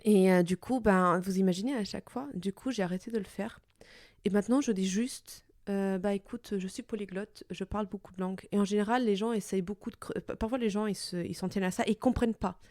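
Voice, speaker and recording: A young woman from Portugal with an Italian accent, Italian being her first language, speaking in a reflective personal podcast monologue, thoughtful and often pausing to search for her words. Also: mid-range voice, a little mellow, no echo, clean studio sound. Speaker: podcast host.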